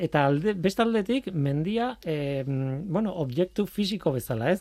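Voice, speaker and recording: A man's dark, mellow tone with lively intonation. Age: 40s. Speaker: radio host. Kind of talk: radio show.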